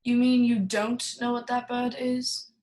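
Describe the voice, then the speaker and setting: A woman's voice: a little high, level tone, a little slow, darkish tone, lightly acted. A woman acting a jovial, wordy, scheming male crime boss in a film noir radio play, florid and theatrically genial. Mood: amused, intrigued.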